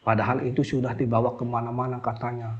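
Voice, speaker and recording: Middle-aged male healer, interview storytelling; lively quoted voices, sinks low and soft when recalling hardship. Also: fast talker, muffled recording. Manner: animated, acts out quoted voices, voice drops when recalling crying. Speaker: alternative healer. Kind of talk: emotional personal storytelling.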